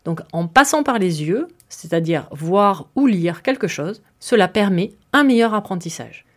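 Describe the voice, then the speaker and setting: A woman's voice: mid-range voice, lively intonation, unhurried. A woman hosting a podcast and explaining her subject in a friendly, conversational way, with filler words and some self-mocking humor. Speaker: podcast host.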